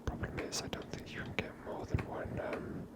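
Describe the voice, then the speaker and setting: A woman whispering breathily close to the mic as she hosts an ASMR game playthrough, soft and musing. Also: fairly quick. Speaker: gaming host.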